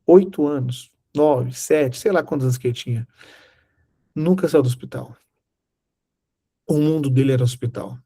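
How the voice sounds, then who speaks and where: A man's voice: medium pitch, moderate pace, vocal fry, long pauses, warm tone, breathy edge. A man preaching a sermon, telling a personal story and acting out the dialogue. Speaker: Bible teacher.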